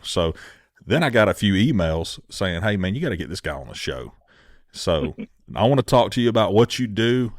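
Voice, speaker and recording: Low-voiced easygoing male podcast host. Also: dry recording, studio quality. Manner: easygoing, chatty with fillers. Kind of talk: casual interview.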